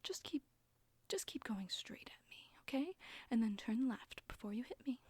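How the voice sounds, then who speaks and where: A woman's voice: on the high side, no room sound, full character voice. Woman playing a whispering, teasing witch instructor. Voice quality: soft breathy whisper. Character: flirty, sassy witch broom-riding instructor, condescending but coaxing. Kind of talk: whispered ASMR roleplay.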